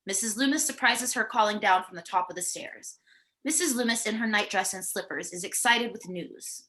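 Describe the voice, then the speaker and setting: A woman's voice: mid-range voice, normal speed, sharp tone. A woman narrating a screenplay, reading out scene headings and stage directions for a table read. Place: remote virtual table read.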